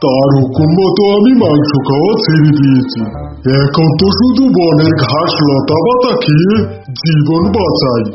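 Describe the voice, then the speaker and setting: A man's voice: fairly high pitch, animated, moderate pace, close to an everyday voice. A man voicing an aggrieved, hot-headed tiger in a children's cartoon, indignant and blustering. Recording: dull, echoey audio with music.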